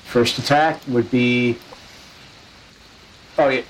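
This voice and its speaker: A man's voice: mid-range voice, fairly even intonation, slow pace, slight background noise, poor audio. A man playing a tabletop game, swearing casually and checking the rules aloud. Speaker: player.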